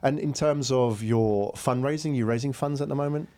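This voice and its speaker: A man's voice: medium pitch, moderate pace, dark tone. A man hosting a conversational business podcast interview in a studio, often checking agreement as he talks.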